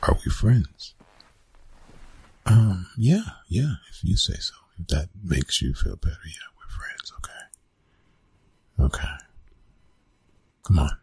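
Guy doing a gruff college bully asmr roleplay, super low voice, half whispering, slow and halting. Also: very animated, no room sound, full character voice. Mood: casual, warming up. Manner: hushed, halting, casual, often breathy whispering. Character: gruff, reluctant young male college bully softening up. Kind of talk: ASMR roleplay, intimate one-sided dialogue.

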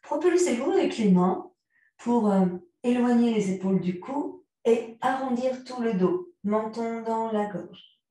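A woman guiding a yoga class, giving calm, unhurried cues timed to the breath. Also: a little high. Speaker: yoga teacher. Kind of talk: guided yoga class instruction. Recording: very echoey room, mic far off.

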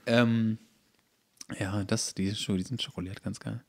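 A man's voice: lowish voice, steady tone, unhurried, gravelly. A man chatting casually and comically as a podcast co-host. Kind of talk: casual comedic chat.

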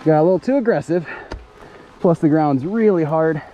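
A man's voice: a little high, moderate pace. A man giving casual commentary as he rides a motorcycle off-road outdoors. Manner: talking while riding a motorcycle off-road. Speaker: motorcycle vlogger. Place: outdoors on a motorcycle in open fields. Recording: muffled, loud engine and outdoor noise.

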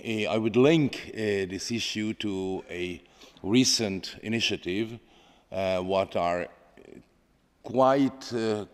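Male, 50s, Hungarian accent, low voice, hesitant formal panel speaker in a big reverberant chamber. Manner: halting, hesitant with many pauses. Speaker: panel speaker answering questions. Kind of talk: formal question-and-answer speech. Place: large parliament chamber. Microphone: gooseneck desk microphone. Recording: echoey large hall, long reverb.

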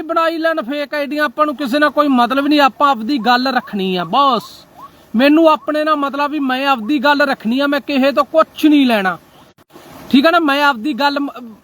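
A young man with a Punjabi accent talks to his livestream audience, moving between casual talk and preaching. He quotes scripture and keeps checking for agreement with a quick "right?", and his voice sits very high for a man. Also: bright, forceful tone. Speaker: social media livestreamer. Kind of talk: casual livestream address to viewers.

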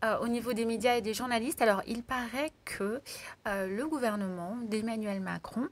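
A woman's voice: fairly high pitch, normal speed. A woman co-hosting a radio panel, chatty and agreeable, often chiming in. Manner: chatty, agreeable, frequent backchannels. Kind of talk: casual studio discussion. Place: radio studio. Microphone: studio microphone, wearing headphones.

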